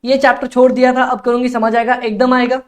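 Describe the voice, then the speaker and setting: This is an upbeat young accountancy tutor streaming an online exam class, with a very high voice and a slightly fast pace. He coaxes his students along, repeats phrases, and voices chat comments aloud.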